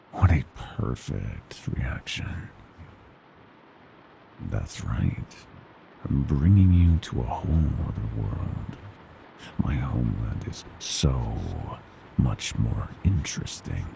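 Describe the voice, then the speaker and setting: A man's voice: dark tone, a little hiss or hum, heavily acted, rough recording. A man voicing a gleeful, predatory monster from under the bed in a horror ASMR roleplay, menacing and mockingly tender, savoring his words and slipping into whispers. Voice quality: very deep, gravelly creaking growl.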